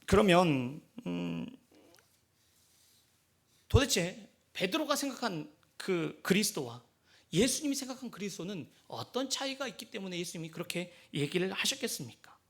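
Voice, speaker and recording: A male pastor delivers a sermon in a high voice with a gravelly edge. He slips into dialogue, acting out the disciples and Jesus as he explains the passage. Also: animated, normal speed, long pauses.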